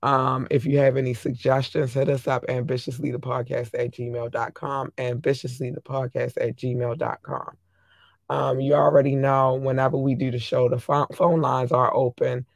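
A hoarse podcast host chatting casually, affectionately shouting out listeners country by country. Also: mid-range voice, little pitch movement, moderate pace, no room sound, studio quality.

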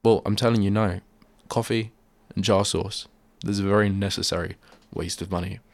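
Male host, deep and congested with a cold, rambling chat in a dry little studio. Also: steady tone, moderate pace, dry recording. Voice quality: bunged-up, nasal. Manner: rambling, chatty, self-deprecating. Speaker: radio host. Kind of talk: casual solo radio chat. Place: small radio studio. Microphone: studio microphone.

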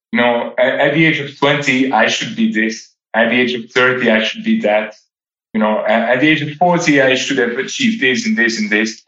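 Man, thirties, native French and Dutch speaker, halting and reflective, stumbles and repeats words, roomy echo, muffled sound. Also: mid-range voice, pushed and bright. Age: 30s. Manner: halting, repeats words while searching for them. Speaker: podcast guest. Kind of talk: reflective interview answers.

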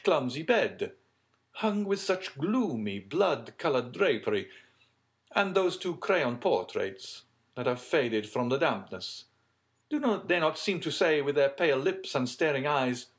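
A man voicing a suave middle-aged count from a storybook, speaking in a deliberate, dramatic and darkly insinuating way. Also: medium pitch, very animated, pitched above the performer's own voice.

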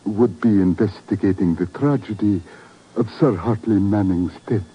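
An actor playing a shrewd old Arab leader in a 1950s radio drama, formal, ceremonious and deliberate. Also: male voice, lowish voice, husky, dull audio. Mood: grave. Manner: ceremonious, deliberate, speaks of himself in third person.

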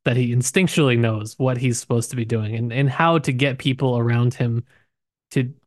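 A man's voice: medium pitch, fairly even intonation, moderate pace, no room sound. A man with a mid-range voice chats about a book as a podcast co-host. He is informal and joking, and the sound is dry with little room in it. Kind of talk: casual book discussion.

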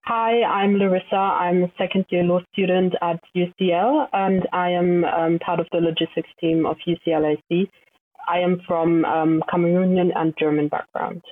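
A woman in her twenties explaining her view as a panelist, with frequent pauses and ums. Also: on the low side, steady tone, no echo. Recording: tinny phone-like call line, dry.

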